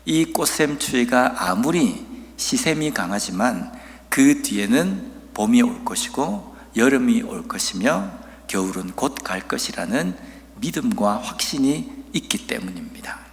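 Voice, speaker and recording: A man from Busan, South Korea, with a Busan accent, preaching a sermon as a pastor, telling stories earnestly and reading scripture slowly and emphatically. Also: medium pitch, very animated, in a large hall. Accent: Busan dialect.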